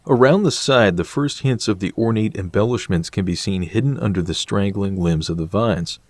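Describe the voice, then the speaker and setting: A man delivering scripted documentary narration as the host of an exploration series, in a measured, descriptive manner. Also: fairly low pitch, a little mellow, dry recording.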